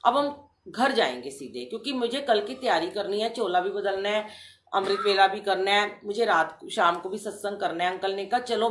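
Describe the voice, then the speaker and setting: A middle-aged woman addresses a devotional gathering, telling her story with lively turns and acting out the people she quotes. Her voice sits at a medium pitch and carries a roomy echo around it. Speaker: satsang speaker.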